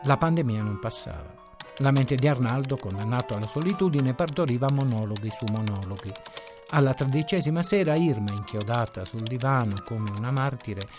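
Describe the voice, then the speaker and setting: Man narrating a story with gentle irony. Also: medium pitch. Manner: measured, ironic storytelling. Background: faint music.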